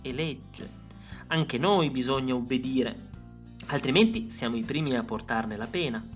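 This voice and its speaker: A man reading aloud and voicing a crafty middle-aged innkeeper who coaxes in a gentle, persuasive way. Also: medium pitch, animated, a little fast, soft background music, natural voice. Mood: coaxing. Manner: coaxing and gentle, then firm.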